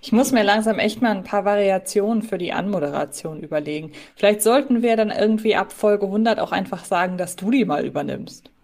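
A woman's voice: medium pitch, brisk, a little mellow. A woman hosting a podcast in a conversational, moderating style. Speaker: podcast host.

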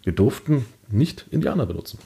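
A man's voice: medium pitch, sing-song, a little fast, vocal fry, warm tone, husky. A man co-hosting a podcast, speaking in a casual discussion style. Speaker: podcast co-host.

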